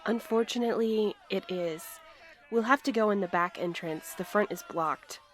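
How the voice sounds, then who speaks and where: Woman playing an earnest, practical co-worker, medium-pitched. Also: normal speed, natural voice. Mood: matter-of-fact. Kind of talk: audio drama dialogue, conversational.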